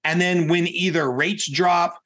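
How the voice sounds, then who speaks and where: A man's voice: sits high, fairly even intonation, measured pace, a bit bright. A man speaking as a guest coach on a podcast, giving candid, colloquial advice with emphatic repetition. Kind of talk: podcast interview, conversational advice.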